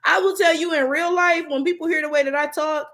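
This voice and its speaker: A YouTuber with a Detroit accent reads viewer comments aloud during a livestream, loose and slangy, laughing often. Her voice is high, a bit bright, and brisk with fairly even intonation, and it keeps cracking.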